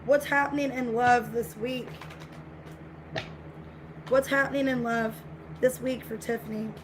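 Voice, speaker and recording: A woman's voice: a little high, fairly even intonation, measured pace. A woman giving a casual tarot reading to viewers, speaking in a repetitive, reassuring way, with her voice getting scratchy. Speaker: tarot reader.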